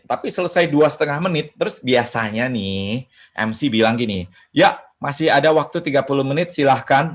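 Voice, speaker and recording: A man mentoring at an online hackathon, giving casual presentation advice. He keeps adding "ya kan" and "gitu" and slips English phrases into his sentences. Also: mid-range voice. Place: home setup for an online session. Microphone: video call.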